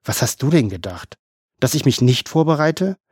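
A man voicing a brisk, mocking female police chief who needles her colleagues with pointed questions. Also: mid-range voice, very animated, darkish tone, slightly rough, dry recording, studio quality. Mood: needling.

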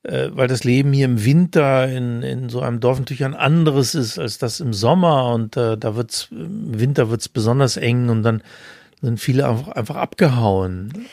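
A man's voice: medium pitch, moderate pace, gravelly, a little mellow, no echo, clean studio sound. A man in his sixties co-hosting a podcast, explaining things thoughtfully at length. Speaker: podcast co-host. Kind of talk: casual conversation.

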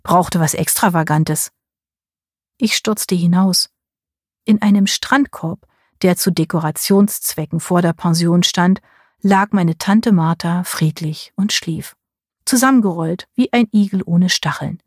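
A woman narrating a first-person audiobook in a measured storytelling way, with a husky voice. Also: lowish voice, no echo, clean studio sound. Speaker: audiobook reader.

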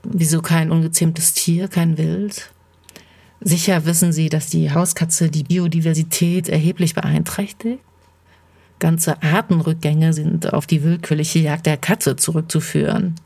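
A probing male psychologist, insistent and lecturing, voiced by a woman reading in her own lowish voice. The questions come steady and pointed, as in a stage reading. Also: a little slow, gravelly, slightly rough, exaggerated voice.

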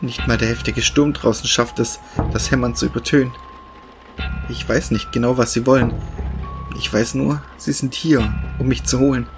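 Male narrator for short horror tales, mid-pitched, hushed and measured, music underneath. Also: fairly even intonation. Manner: slow, hushed, deliberate delivery with dramatic pauses. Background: background music.

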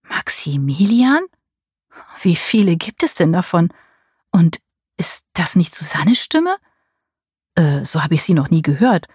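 Eine Frau liest eine verliebte junge Frau, die leise vor sich hin murmelt. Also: female voice, sits low, a little fast, hardly any pauses, husky, no echo, clean studio sound. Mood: whispered, baffled. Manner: murmured, hushed. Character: young woman in love, dreamy and startled.

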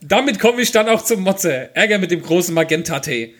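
A man's voice: sits high, lively intonation, brisk, fairly bright tone. A man co-hosting a podcast in casual chat, jokey and laughing often as he reads listener mail aloud.

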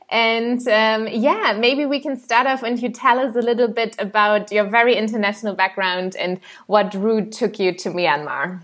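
A woman's voice: on the high side, a bit bright. A woman hosting a podcast, reading a scripted intro and then introducing her guest with upbeat enthusiasm. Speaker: podcast host. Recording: music bed under the intro.

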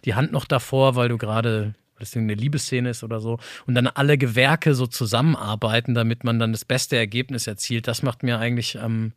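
A man speaking at an ordinary mid pitch in a relaxed conversation. He thinks aloud, circles back and restarts his phrases often, recorded dry with no room sound. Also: brisk, few pauses, dry recording. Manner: reflective, rambling with many restarts. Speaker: voice actor. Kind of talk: casual podcast conversation.

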